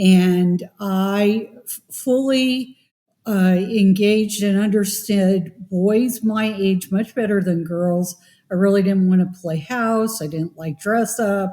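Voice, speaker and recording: A woman speaks very slowly in a dark, mellow tone at a medium pitch. Her intonation stays fairly even while her loudness swings widely. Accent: American. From US Pacific Northwest (Seattle). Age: 60s. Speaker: former activist sharing testimony. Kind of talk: testimony.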